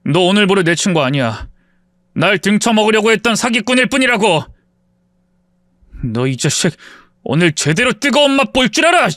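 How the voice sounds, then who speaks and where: A man voicing an earnest, soft-hearted husband who swings from anger at a friend to humble apology. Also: high voice, very animated, moderate pace, long pauses, dry recording, studio quality. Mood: angry. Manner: angry then humbly apologetic.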